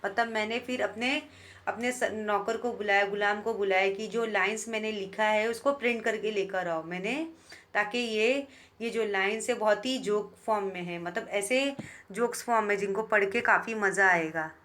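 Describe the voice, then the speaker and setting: A woman teacher reading an English poem slowly line by line, then explaining it in Hindi with frequent restarts. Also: medium pitch, fairly even intonation, fairly bright tone.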